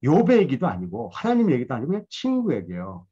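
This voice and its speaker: Husky animated male Bible lecturer. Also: mid-range voice, fast talker, highs cut off. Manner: conversational, self-deprecating storytelling.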